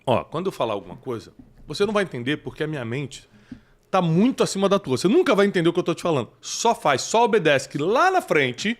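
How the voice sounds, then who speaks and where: A man hosting a talk show, animated and preachy, often bringing in scripture. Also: fairly high pitch, fast. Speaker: podcast host. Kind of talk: casual chat.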